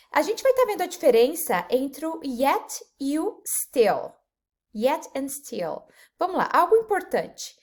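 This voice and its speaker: A woman with a Brazilian Portuguese accent giving an upbeat online English lesson, slowing down to model English phrases. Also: high-pitched, a little mellow. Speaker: English teacher.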